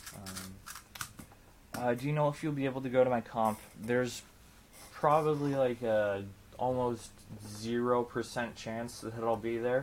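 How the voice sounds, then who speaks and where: Long pauses come often as the speaker talks at a moderate pace. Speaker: cubing livestreamer. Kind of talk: casual livestream chat. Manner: hesitant, many fillers.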